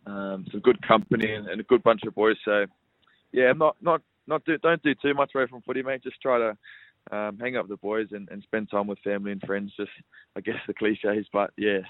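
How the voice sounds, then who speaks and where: Australian footballer on a phone line. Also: male voice, on the low side, a little fast, no room sound. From Sydney, Australia. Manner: relaxed, repeats words, says mate often. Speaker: rugby league player. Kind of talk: phone interview.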